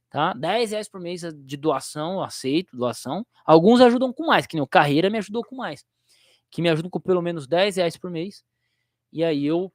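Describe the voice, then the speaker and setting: A man's voice: high voice, no room sound, clean studio sound. A young Brazilian man who teaches theology, chatting casually on his livestream in a rambling, slangy way and laughing easily.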